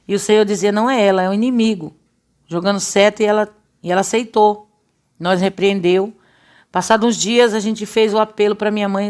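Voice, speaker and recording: Earnest middle-aged woman giving testimony. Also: medium pitch. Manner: earnest, emotional storytelling. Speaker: church member giving testimony. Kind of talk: religious testimony.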